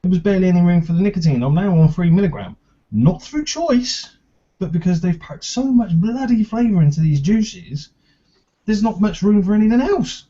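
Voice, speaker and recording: A man co-hosting a laid-back chat, chatty and quick to banter. His voice has a husky edge. The recording is muffled and lo-fi. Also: sits high, lively intonation, dark tone. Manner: chatty, banters and does impressions. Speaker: co-host. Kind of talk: casual chat reviewing vape juice.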